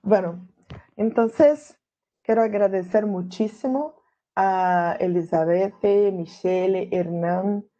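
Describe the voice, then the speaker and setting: A woman's voice: mid-range voice, slow, warm tone, muffled recording. A Brazilian woman whose first language is Portuguese, giving an academic lecture in Spanish and searching carefully for her words. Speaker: guest lecturer.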